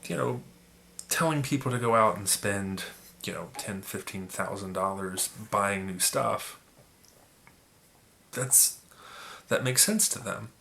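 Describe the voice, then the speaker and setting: A man with a low, gravelly voice that is raspy from being sick. The edge of his tone is bright and sharp. He rambles casually through his opinions with lots of restarts, and faint ambience sits behind him. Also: takes it slowly, a little hiss or hum. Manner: rambling, with many restarts and fillers. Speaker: photography YouTuber.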